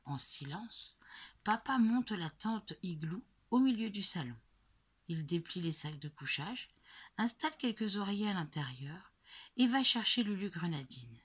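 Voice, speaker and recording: A woman telling a children's story with a breathy, husky voice that rises and falls in a lively way. She reads slowly and expressively and slips into whispers. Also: medium pitch. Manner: slow, expressive, with whispered passages.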